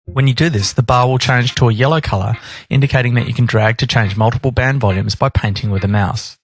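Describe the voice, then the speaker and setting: A man reading scripted instructional narration in a measured, explanatory manner. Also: medium pitch, husky. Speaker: tutorial narrator.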